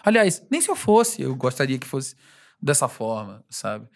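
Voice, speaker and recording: A male singer being interviewed, talking in a relaxed, rambling way, laughing often and acting out fans' voices. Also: medium pitch, measured pace, vocal fry. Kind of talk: casual interview conversation.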